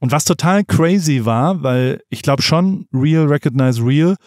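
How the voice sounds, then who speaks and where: A man's voice: a little high, a little slow. A man hosting a podcast, talking easily in loose, slangy sentences. He drifts along with fillers and asides. His voice sits close and dry, with no room echo. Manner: relaxed, colloquial, slangy, many fillers. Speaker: podcast host. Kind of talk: casual chat.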